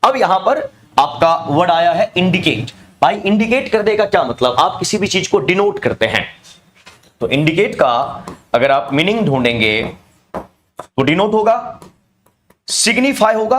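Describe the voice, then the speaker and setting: Animated male teacher. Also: high-pitched, slight background noise. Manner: explains in Hindi, reads English slowly and spells words out. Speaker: English teacher. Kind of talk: exam-prep lesson.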